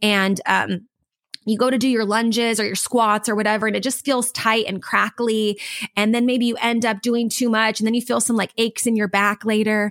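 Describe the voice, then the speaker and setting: A woman speaks at a fairly high pitch with very even loudness. Her intonation stays monotone and flat. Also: moderate pace. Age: 30s. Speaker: fitness coach and podcast host. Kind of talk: solo podcast monologue. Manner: casual, filler-heavy.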